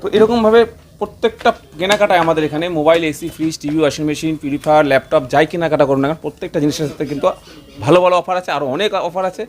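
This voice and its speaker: A man with a West Bengal Bengali accent giving an emphatic, repetitive promotional sales pitch as a showroom promoter. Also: rapid-fire. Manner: emphatic, repetitive listing of offers.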